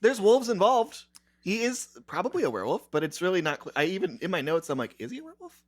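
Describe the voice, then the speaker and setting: A man's voice: high voice, sing-song, fast. A man chatting casually as a podcast panelist, often restarting and repeating his words as he goes. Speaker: podcast panelist discussing a metal album. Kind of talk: casual chat.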